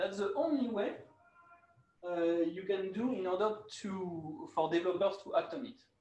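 Over music in the background, a high-pitched man with a French accent speaks at a moderate pace, his intonation lively and his loudness swinging widely. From France. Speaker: software developer. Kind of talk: conference talk. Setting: stage with audience. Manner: halting.

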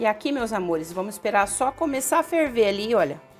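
Faint music plays in the background. A woman speaks over it at a moderate pace. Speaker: home cooking channel host. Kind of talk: tutorial. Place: kitchen.

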